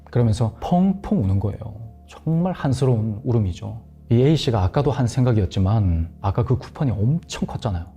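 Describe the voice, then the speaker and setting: A man telling a ghost story in a hushed, dramatic way on a horror talk show, sometimes dropping to a murmur. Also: mid-range voice, animated, fairly quick, few pauses, husky, faint music behind.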